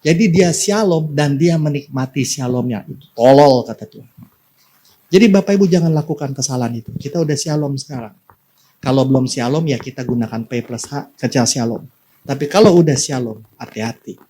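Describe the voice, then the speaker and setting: Fairly quick and warm in a mid-range voice, with slight background noise, a male pastor gives his sermon in church. He keeps it casual and full of slang, turning again and again to address the congregation directly.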